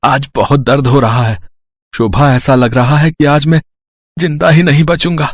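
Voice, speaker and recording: A man's voice: medium pitch, steady tone, normal speed, a little hiss or hum, lightly acted. A man playing a simple, caring farmer husband in a moral story cartoon, earnest and plain-spoken. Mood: in pain.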